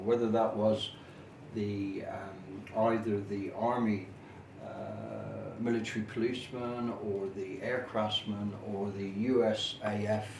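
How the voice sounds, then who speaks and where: A man with a slightly low voice gives an explanatory local history talk at a very slow pace. His phrasing is formal and measured, with hesitant pauses as he works through details. The sound is very echoey, picked up in a room by a camera microphone. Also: far from the mic, background noise. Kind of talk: informal explanatory talk at an exhibition display.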